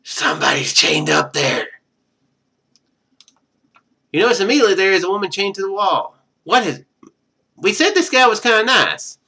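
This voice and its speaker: A man's voice: high-pitched, big pitch swings, normal speed, creaky, long pauses, sharp tone, breathy edge. A man streaming a game, reading its narration aloud and breaking off into rambling, chatty casual commentary. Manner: rambling, chatty asides between read passages.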